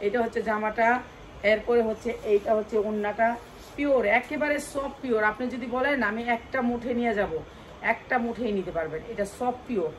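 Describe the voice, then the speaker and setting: High-voiced Bangladeshi woman in hard-sell pitch. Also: brisk, a little hiss or hum, low-quality recording. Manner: insistent, repeats phrases and prices over and over. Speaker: clothing wholesale seller presenting stock.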